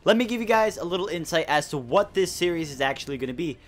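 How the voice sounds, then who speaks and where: A man's voice: fairly high pitch, lively intonation, fast talker. A teenage boy hosting a casual gaming chat, telling a school story in a rambling, indignant way. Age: teens. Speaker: host.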